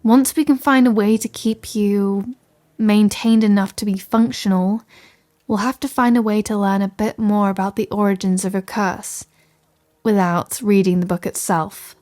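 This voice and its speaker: A woman's voice: medium pitch, steady tone, moderate pace, dark tone, close to an everyday voice. A woman playing a capable, caring scholarly wizard in an ASMR fantasy roleplay, speaking to the listener in an articulate, bookish, reassuring way. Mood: thoughtful, resolute. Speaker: audio roleplay performer.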